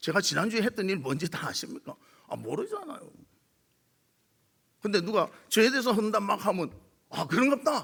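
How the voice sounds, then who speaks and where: Speaking in a strong Gyeongsang accent, a man with a high pitch keeps a moderate pace and lively intonation, with long, frequent pauses. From Gyeongsang region, South Korea. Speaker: senior pastor. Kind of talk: sermon. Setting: church.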